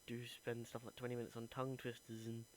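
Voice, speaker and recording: A young man talks through his week in an earnest, thinking-aloud way. His pitch is mid-range and barely moves. A faint hum sits under the recording. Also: monotone, fast talker. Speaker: acting student. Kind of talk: reflective voice diary.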